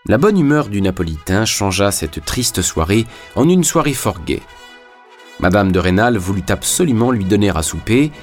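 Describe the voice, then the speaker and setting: A man reading a classic novel aloud in measured, scripted narration. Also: on the low side, sing-song, faint music behind. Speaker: audiobook reader.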